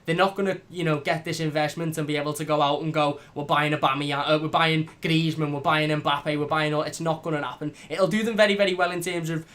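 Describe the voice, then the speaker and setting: A man hosting a fan channel, chatting casually and reading out live comments, blunt and animated. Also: a little high, fast, hardly any pauses. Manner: animated, blunt, swears lightly.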